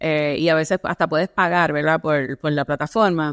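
A woman speaks at a fairly quick pace with a Puerto Rican accent. The sound is dry and close with no echo, over a quiet background. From Puerto Rico. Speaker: marketing executive. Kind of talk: interview.

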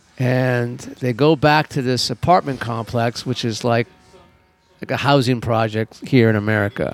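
Over music in the background, a man speaks at a fairly slow pace with a medium pitch and ordinary pitch variation. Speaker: podcast co-host. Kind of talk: casual chat.

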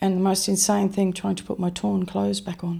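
In an Australian accent, a woman at a medium pitch speaks at a fairly quick pace, her dark, mellow tone somewhat breathy. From Queensland, Australia (Mount Isa). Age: 60s. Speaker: author and drummer sharing life story. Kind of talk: testimony. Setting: studio.

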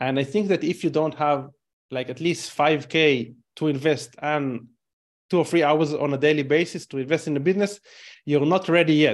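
A man speaks with an Israeli accent at a fairly high pitch. His intonation is fairly even. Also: moderate pace, quiet background. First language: Hebrew. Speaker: ecommerce entrepreneur. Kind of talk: interview.

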